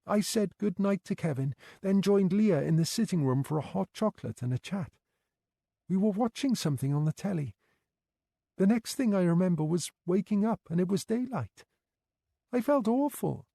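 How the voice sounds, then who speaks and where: A woman's voice: on the low side, expressive, moderate pace, vocal fry, mellow, slightly rough, no room sound, voice pushed up, full character voice. A man voicing an anxious young female night care worker, talking in a worried, pleading way close to tears.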